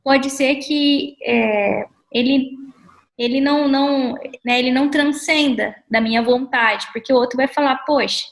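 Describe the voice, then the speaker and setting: A woman with a high voice responds in a relaxed conversation. She searches for her words, hesitating and restarting as she builds her point. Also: measured pace, rough recording. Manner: thoughtful, hesitant, with many fillers. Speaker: conversation partner. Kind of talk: conversational talk.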